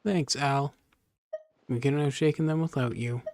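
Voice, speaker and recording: A man's voice: mid-range voice, fairly even intonation, measured pace, darkish tone, slight background noise. A man playing a video game, casually commenting and reading dialogue choices aloud.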